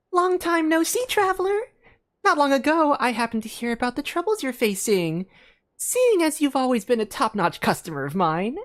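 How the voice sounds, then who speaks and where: In a put-on character voice pitched high, the speaker moves at a moderate pace with very wide pitch swings. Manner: overconfident, know-it-all.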